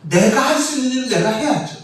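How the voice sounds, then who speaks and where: A man's voice: extremely high pitch, animated, fast. A male pastor preaching a sermon, asking the congregation questions and leading them in reading scripture aloud together. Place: church sanctuary. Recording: distant echoey church hall with faint room noise.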